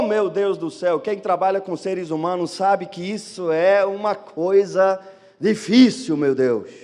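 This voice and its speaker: A man with another first language preaching a lively sermon as a pastor, acting out the excuses people give. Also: extremely high pitch, big-room sound. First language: not Portuguese. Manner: animated, acts out excuses of churchgoers.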